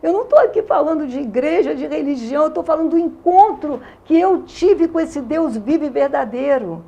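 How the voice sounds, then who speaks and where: A woman's voice: sits high, animated, fairly quick, creaky, warm tone. A woman in her sixties with a Carioca accent, earnestly and emotionally telling her faith testimony in an interview. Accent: Carioca Brazilian Portuguese. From Rio de Janeiro, Brazil. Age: 60s. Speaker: interview guest giving a testimony. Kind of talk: religious testimony in conversation.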